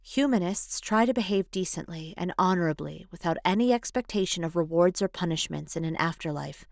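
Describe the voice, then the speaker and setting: Female audiobook narrator, lower register, measured articulate read, dry close-mic recording. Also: animated, creaky, no echo. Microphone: close studio voice-over microphone.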